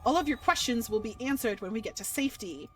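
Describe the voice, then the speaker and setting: A woman's voice: fairly high pitch, lively intonation, quick pace, soft background music, lightly acted. A woman voicing a cold, impatient male god from a visual novel, curt and dismissive. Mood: irritated. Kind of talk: reading visual novel dialogue aloud.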